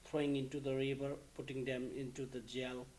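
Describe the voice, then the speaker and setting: A man from Bhutan speaks in an interview with a mid-range voice. He goes through his memories item by item in a measured way, pausing on "uh" and "um." Faint noise sits under his voice. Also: mid-range voice, little pitch movement, a little mellow, low-quality recording. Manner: measured, listing things with "uh" and "um". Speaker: refugee interviewee. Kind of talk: recorded interview testimony.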